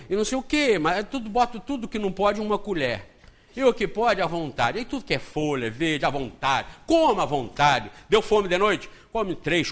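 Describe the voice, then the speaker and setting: A Brazilian man lectures at a spiritist center, slightly high-voiced and very lively in his pitch. He talks in an easy, joking way and slips into acted-out exchanges to make his point. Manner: conversational and joking, acts out dialogue. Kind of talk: spiritist lecture with homely anecdotes.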